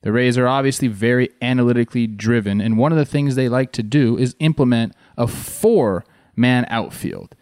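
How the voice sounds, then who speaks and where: A sports show host and baseball analyst explains plays conversationally, putting rhetorical questions to viewers in an explanatory breakdown. His mid-range voice is a little mellow at normal speed, recorded in a clean studio with no echo.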